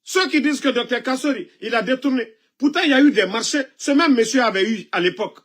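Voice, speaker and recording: High-voiced man, indignant, with a cold. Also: fast, fairly bright tone. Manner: indignant, scolding, emphatic rhetorical questions. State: has a cold, coughing. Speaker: political commentator. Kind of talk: impassioned political commentary.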